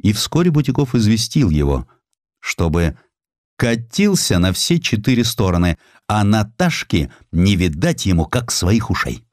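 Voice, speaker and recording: A man narrating a historical sketch as a scripted audiobook, with theatrical, expressive delivery. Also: lowish voice, a little slow, no room sound, studio quality.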